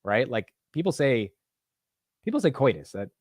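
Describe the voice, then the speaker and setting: A young man hosts a casual livestream, joking with his viewers and arguing playfully. His delivery is animated and self-mocking, with a mid-pitched voice. The sound is dry and close-miked. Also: normal speed, no echo. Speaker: livestream host.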